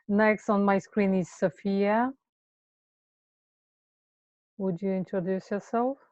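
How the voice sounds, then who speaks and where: A woman's voice: mid-range voice, fairly even intonation, takes it slowly, a little mellow, no echo, muffled recording. A woman with a Polish accent leading an online group call, speaking hesitantly with many fillers. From Poland. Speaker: facilitator. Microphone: video call.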